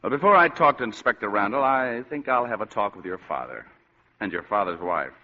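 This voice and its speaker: An actor playing a world-weary, wisecracking private detective who also narrates, in a 1940s radio drama. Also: male voice, lowish voice, lively intonation, a little fast, a little hiss or hum, close to an everyday voice. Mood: sardonic. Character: wisecracking hard-boiled private eye, weary man. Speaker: narrator of the story. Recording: dull lo-fi old radio broadcast.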